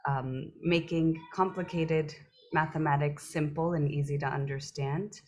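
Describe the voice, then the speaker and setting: Low-voiced friendly American woman. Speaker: trainer. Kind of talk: self-introduction in online training.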